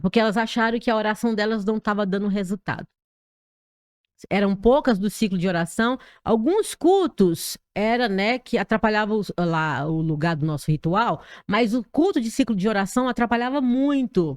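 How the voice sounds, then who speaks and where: A woman's voice: medium pitch, expressive, fairly quick, dry recording, studio quality. A woman pastor with a Brazilian accent giving a dramatic personal testimony as a podcast guest, telling it vividly with sound effects. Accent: Brazilian Portuguese. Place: podcast studio.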